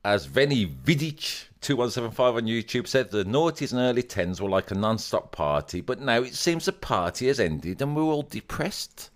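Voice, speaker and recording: A man's voice: medium pitch, very animated, moderate pace, few pauses. A man co-hosting a podcast in casual chat, jokey and reading out listener comments with playful emphasis. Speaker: podcast co-host.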